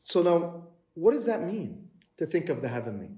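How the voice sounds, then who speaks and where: A man delivers a sermon in a relaxed, conversational way, slipping into the voices of the people in the story he tells. His voice sits a little high for a man. The room around him has a noticeable echo. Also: moderate pace. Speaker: preacher. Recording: echoey room.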